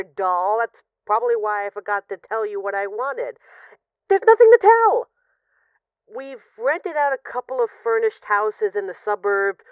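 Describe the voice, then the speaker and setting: A woman's voice: medium pitch, clean tone, dry recording, dull audio. A woman playing an affectionate, wry mafia boss who misses her partner, rambling hesitantly through intimate voicemails in an audio roleplay. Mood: bored, wry. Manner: hesitant, sighing, wry, conversational.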